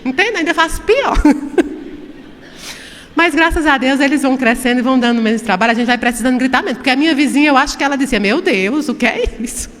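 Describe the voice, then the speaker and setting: A woman's voice: sits high, fast talker, long reverb tail. A woman, a spiritist medium giving a chatty lecture to an audience, telling stories and asking rhetorical questions. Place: spiritist center hall.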